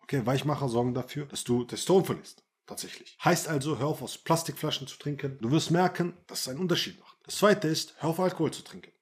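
Brash fast-talking man coaching listeners. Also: a little high. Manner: brash, blunt and crude, addresses listener directly; repeats phrases for emphasis. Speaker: dating and self-confidence coach. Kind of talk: direct-to-camera podcast monologue.

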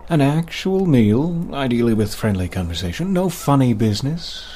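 A man's voice: mid-range voice, very animated, normal speed, dark tone, a little hiss or hum, lightly acted. A man playing an easygoing, boastful monster hunter for hire in an audio drama, with a hesitant, rambling delivery. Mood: relaxed, wry. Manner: hesitant, rambling, munches while talking.

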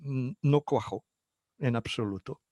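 A man's voice: medium pitch, unhurried, a little mellow, no room sound. An older man whose first language is Catalan, answering interview questions in a hesitant way with many fillers and restarts. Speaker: guest psychologist.

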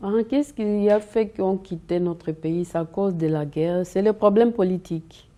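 A woman's voice: mid-range voice, measured pace, mellow. A woman from Congo, telling her story in a community TV interview and often repeating and restarting words. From Democratic Republic of the Congo. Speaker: interview guest. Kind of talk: conversational interview. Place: community TV studio.

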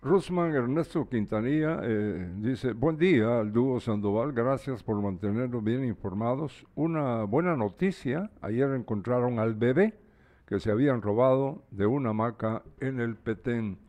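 A Salvadoran-born man co-hosting a news talk show. He reads viewer messages aloud, casual and hesitant, pausing often on fillers. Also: medium pitch, a little mellow.

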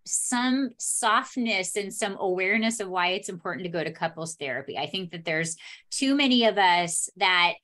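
Female podcast host, American, mid-pitched, informal and chatty, therapist interviewing a guest. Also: lively intonation, normal speed, pushed and bright. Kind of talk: casual interview hosting.

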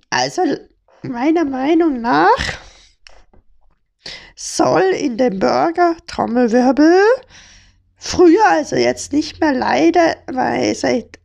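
Podcast host: young woman, playful and jokey, high voice with heavy vocal fry. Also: darkish tone. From Hamburg. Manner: playful, joking, slang-heavy. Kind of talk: casual chat.

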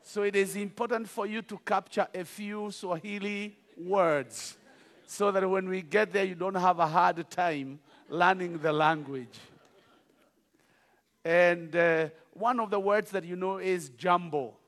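Kenyan man, bishop, church sermon, slow measured delivery, fairly high voice, jovial. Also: fairly even intonation, a bit bright. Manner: jovial, teaching slowly with laughs. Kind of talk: sermon with song.

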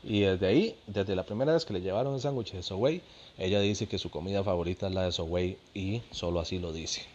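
A man's voice: sits low, a little fast, darkish tone, muffled recording, slight background noise. Chatty Costa Rican man, thirties. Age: 30s. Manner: chatty, laughing, slangy. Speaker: comedian and podcast host. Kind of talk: casual storytelling monologue.

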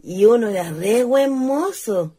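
An actress playing a chatty, wistful old spinster ghost in a radio play, with a rural Chilean accent and a folksy, exclaiming way of talking. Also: female voice, fairly high pitch, lively intonation, unhurried, dark tone, husky. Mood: wistful, eager. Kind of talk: stage-style radio play acting.

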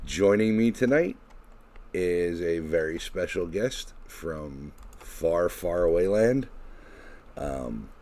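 A man's voice: sits low, lively intonation, slow, darkish tone. A man hosting a podcast, announcing the show in a theatrical ringmaster style. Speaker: podcast host. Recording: noisy recording.

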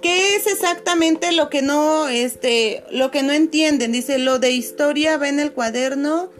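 A woman teacher, talking patiently to her pupils on a video call and filling pauses with "este". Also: high voice, faint music behind. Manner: patient, many fillers, calls pupils "chicos" and "corazones". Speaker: schoolteacher. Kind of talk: online class video call.

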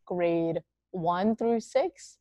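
Deep-voiced young woman from Singapore, chatty. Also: extremely slow, dark tone, dry recording, clean studio sound. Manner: chatty, upbeat, lots of fillers. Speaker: podcast host. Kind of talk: casual podcast chat.

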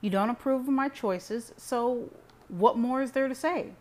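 A woman's voice: lowish voice, normal speed, lightly acted. A woman voicing a bitter, hot-tempered young man with a curt, snarling manner, in an audiobook reading. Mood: furious.

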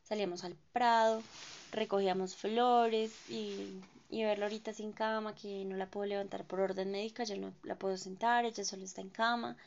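A woman's voice: mid-range voice, flat delivery, moderate pace, creaky, slight background noise. Chatty Colombian woman, lo-fi sound. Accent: Colombian Spanish. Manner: chatty, emphatic, slangy. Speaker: home-care therapist and aspiring streamer. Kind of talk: casual storytelling vlog.

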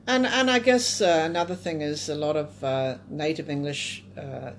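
A woman's voice: low voice, moderate pace, a little hiss or hum. A woman moderating a conversational discussion, putting questions and responding.

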